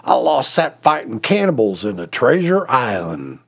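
A man voicing a gruff old male pirate who growls his words. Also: mid-range voice, big pitch swings, normal speed, voice pushed down.

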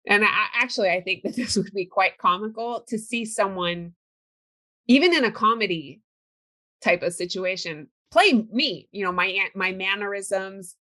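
A chatty, upbeat American woman from California hosts a relaxed interview over a video call. Her voice sits at a middling pitch, and she talks in a loose, conversational way, laughing often. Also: moderate pace. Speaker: podcast host. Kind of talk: casual interview chat.

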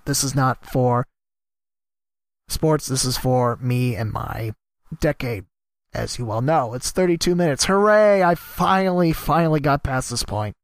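A man, hosting a solo podcast and rambling casually about announcing gigs, his voice a bit worn from a cough and trailing off quietly at the ends of thoughts. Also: medium pitch, no echo. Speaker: podcast host and sports announcer.

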